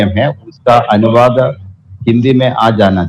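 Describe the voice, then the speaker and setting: The voice carries a Malayalam accent and ordinary pitch variation. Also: man. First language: Malayalam (speaking Hindi). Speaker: literary translator. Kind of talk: interview. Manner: formal.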